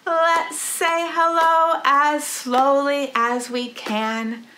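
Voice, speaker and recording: A middle-aged woman leading a storytime for young children in an animated, rhythmic sing-song delivery, recorded in a living room. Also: high-pitched, extremely slow, a little hiss or hum. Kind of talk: children's storytime read-aloud.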